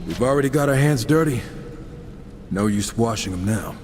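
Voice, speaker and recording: Man playing a cocky, animated wisecracking gunslinger. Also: mid-range voice, normal speed, slight background noise, natural voice. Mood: wry. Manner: casual, dry sarcasm. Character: wisecracking, cocky male gunslinger horseman, irreverent and sardonic. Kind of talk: video game cutscene acting. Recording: long reverb with faint music.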